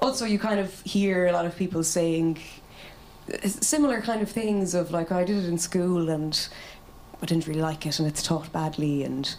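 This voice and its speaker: A woman's fairly low voice in an Irish accent, with ordinary pitch variation and a moderate pace. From Ireland, Irish-speaking household. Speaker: documentary maker. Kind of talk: panel discussion.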